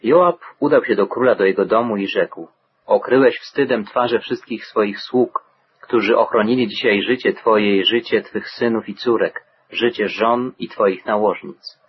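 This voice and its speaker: A man giving a measured, solemn scripted reading of scripture. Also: on the low side, lo-fi sound, slight background noise. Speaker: Bible reader.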